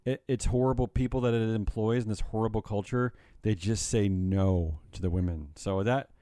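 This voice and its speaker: A man's voice: fairly low pitch, steady tone, moderate pace, mellow, dry recording, clean studio sound. A man hosting a casual business podcast chat, talking in a wry, sarcastic way. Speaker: podcast host.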